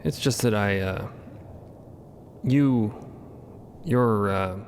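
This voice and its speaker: A man's voice: lowish voice, pitched below the performer's own voice. Man voicing a blunt, awkward woman crew member over noise. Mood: awkward, apologetic. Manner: halting, blunt, sweary. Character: gruff, short-tempered, awkward adult woman crew member. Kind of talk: audio fiction dialogue.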